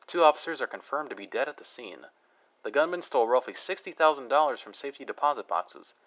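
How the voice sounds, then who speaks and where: A radio news announcer, played by a man in a radio play, reading a bulletin in a brisk, formal news delivery. He moves through it at a fast clip. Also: medium pitch, expressive, a bit bright.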